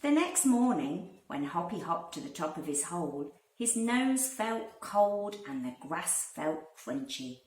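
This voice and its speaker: A woman narrates a children's storybook in an expressive, deliberate manner. Her pitch moves up and down a lot and her pace is slow. She is a little away from the microphone in a reverberant room. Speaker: primary school teacher reading aloud. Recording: roomy, distant microphone.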